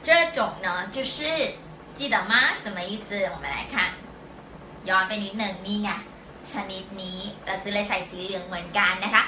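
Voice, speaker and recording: A woman teaching a live-stream language lesson, patiently explaining step by step and slowly repeating words for learners. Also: medium pitch, lively intonation, noisy background. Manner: slow, drawn-out repetition of words for learners. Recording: echoey room.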